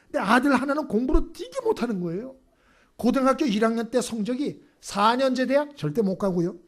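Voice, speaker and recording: A high-voiced male pastor with a husky edge to his voice delivers a sermon in a church. His pitch swings widely as he tells stories and keeps checking in with the congregation. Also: expressive, a little fast. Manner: storytelling, often checks in with the congregation.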